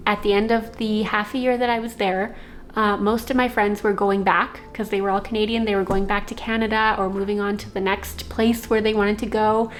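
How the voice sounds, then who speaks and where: A young woman born in Slovakia, a native Slovak speaker, telling a rambling personal story as a vlogger, with many fillers. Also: medium pitch. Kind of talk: casual storytelling.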